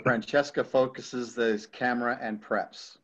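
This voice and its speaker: A man's voice: medium pitch, level tone, measured pace, a bit bright, highs cut off. A man reading plain, neutral descriptions of the action on screen. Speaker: audio description narrator. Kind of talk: scripted scene description.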